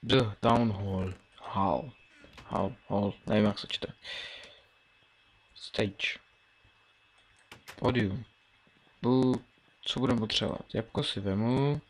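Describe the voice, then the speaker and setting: A man's voice: medium pitch, pauses often. A young man in his late teens casually commentating his own gameplay, mumbling and thinking aloud as he plays, with keyboard and mouse clicks behind him. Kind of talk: casual Let's Play commentary.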